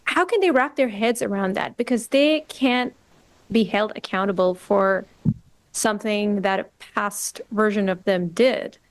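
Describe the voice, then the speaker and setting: A woman's voice: medium pitch, a little slow, no echo. A woman interviewing a guest and asking probing questions. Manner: probing, inquisitive.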